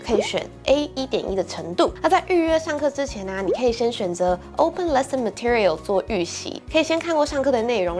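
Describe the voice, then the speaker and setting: Fast, upbeat Taiwanese woman voice-over. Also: fairly high pitch, a little mellow. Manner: friendly, upbeat explaining. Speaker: English-learning YouTuber. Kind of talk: sponsored voice-over pitch.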